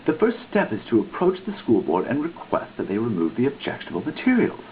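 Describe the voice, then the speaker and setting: A man giving a theatrical, mock-dramatic reading of a written text, with big swings in pitch and stress. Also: wildly swooping pitch, fast. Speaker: reader. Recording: tinny lo-fi recording with faint noise.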